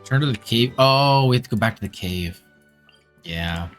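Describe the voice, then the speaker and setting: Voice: mid-range voice, animated, normal speed, soft background music. A streamer giving casual live commentary on a video game, reacting informally and with slangy asides. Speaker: streamer, VTuber.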